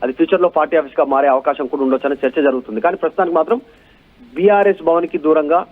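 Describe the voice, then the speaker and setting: A husky-voiced man gives live news analysis at a quick pace. He stacks points in repeated lists and rhetorical questions, over dull lo-fi broadcast audio. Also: a little high, steady tone.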